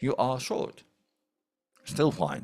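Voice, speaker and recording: Background music is playing. Over it, a man talks at a moderate pace. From Greece. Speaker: crypto trading educator. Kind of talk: live-stream trading tutorial. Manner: casual, repetitive.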